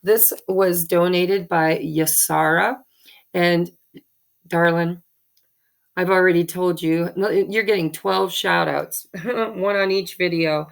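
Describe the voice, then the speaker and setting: Hoarse low-voiced woman, gravelly. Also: fairly even intonation, slow pace. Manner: warm thankful rambling with many ums. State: hoarse from allergies. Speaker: tarot reader and channel host. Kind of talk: casual chat to viewers.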